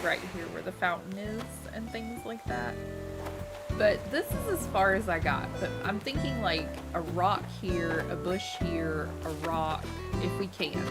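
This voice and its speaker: A woman chatting casually with her live-stream viewers as she plays, friendly and quick to laugh, her voice a little nasal from a cold. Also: lowish voice. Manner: chatty, friendly, thanks chat often, laughs a lot. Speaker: game streamer. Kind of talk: casual live-stream chat while playing. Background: loud game music.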